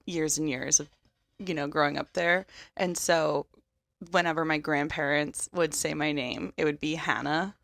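A woman's voice: low voice, steady tone, moderate pace, vocal fry, fairly bright tone, dry recording. A young woman co-hosting a podcast in casual chat, playful and joking, recorded close on a studio mic. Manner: playful, mimics accents, self-conscious about her words. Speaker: podcast co-host.

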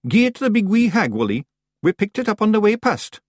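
Blustering little Scottish fairy warrior, high-pitched. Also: male voice, big pitch swings, brisk, dry recording, studio quality. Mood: brisk. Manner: blustering, rambling, emphatic. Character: Rob Anybody, boastful little Scottish clansman, tiny fairy warrior. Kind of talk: acted storybook dialogue.

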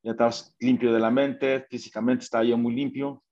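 Man, Mexican accent, animated storyteller, acts out dialogue, fillers and restarts, dull lo-fi audio. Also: mid-range voice, fairly quick. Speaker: guest telling his life story. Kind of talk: casual storytelling interview.

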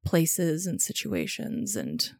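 A woman's voice: sits low, huge pitch swings, slow, gravelly, darkish tone, no room sound, clean studio sound. A woman co-hosting a podcast, chatting casually and playfully with a friend in informal language. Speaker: podcast co-host. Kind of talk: casual chat between friends.

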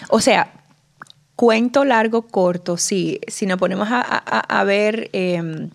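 A woman's voice: mid-range voice, slow pace, creaky. A woman in her forties from the Dominican Republic with a New York Latina accent, chatting casually on a podcast and switching between Spanish and English mid-sentence. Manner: restarts often while searching for words.

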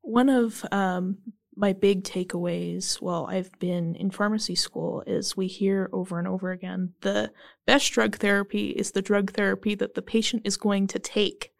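A woman's voice: mid-range voice, steady tone, moderate pace, creaky, dry recording. A woman in her twenties, a pharmacy student, interviewing casually with friendly ums. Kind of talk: interview conversation.

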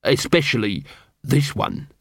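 A man's voice: medium pitch, expressive, a little slow, husky, dry recording, studio quality. A man voicing a practical, loyal dwarf guardsman in an audiobook, speaking plainly. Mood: matter-of-fact.

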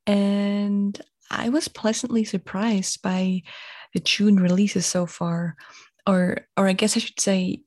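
A woman co-hosting a music podcast in casual chat, playful and quick to laugh, prone to dramatic exaggeration. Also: mid-range voice, steady tone, darkish tone. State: overheated. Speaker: podcast co-host.

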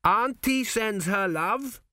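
An earnest, flustered young king, as a man puts him on, his voice lifted a little above the narrator's. He talks eagerly and a touch too loud. Dry studio sound. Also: fairly high pitch, very animated, slow, no echo, voice pushed up, heavily acted. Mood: loud, awkward. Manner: eager, a little raised and nervous.

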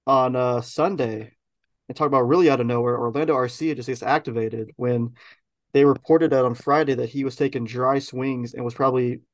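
A man hosting a podcast, chatting casually about a baseball team's week, talking loosely with lots of ums and restarts. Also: medium pitch. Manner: relaxed, rambling with many fillers. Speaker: podcast host. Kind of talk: casual sports chat.

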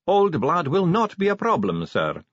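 A man's voice: a little high, wildly swooping pitch, unhurried, a bit bright, dry recording, dull audio, voice pushed up, heavily acted. A man playing an eager young vampire constable woman. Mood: insistent.

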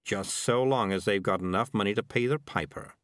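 A man's voice: lowish voice, fairly quick, a bit bright, dry recording, studio quality, close to an everyday voice. Man voicing a sly talking tomcat schemer. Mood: grumbling. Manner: smooth-talking, grumbling and cajoling. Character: sly, scheming talking male cat, money-minded.

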